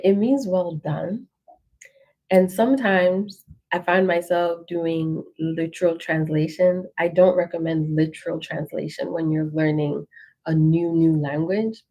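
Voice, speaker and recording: A woman teaches a relaxed language lesson and repeats each phrase so learners can follow along. Her voice is mellow and a little husky, and she speaks at an unhurried pace. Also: fairly low pitch, rough recording. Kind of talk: relaxed language lesson, reading through an ebook.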